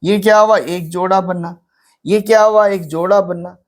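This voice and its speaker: Preparing students for an exam, an English literature teacher counts syllables aloud with patience, poses rhetorical questions, and works English terms into the explanation. The voice has medium pitch, fairly even intonation, and a normal speed.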